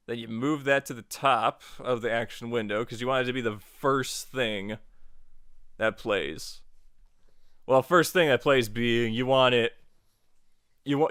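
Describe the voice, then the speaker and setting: A man's voice: mid-range voice, a bit bright, smooth, no room sound, clean studio sound. A man narrating a tutorial as its host in an informal, jokey, casual way.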